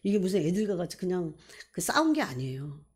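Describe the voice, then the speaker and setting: A woman pastor preaching a sermon in an animated way, often asking the congregation questions. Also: fairly low pitch, a little fast, breathy edge.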